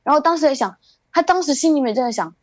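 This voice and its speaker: A woman's voice: sits high, fast talker, no room sound. A woman recounts a spooky tale in a loose, rambling chat. She doubles back often and lifts her voice as the story builds. The sound is dry and close, with no room around it. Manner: rambling, many restarts and fillers, lively build-up. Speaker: guest storyteller. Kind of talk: casual spoken ghost story.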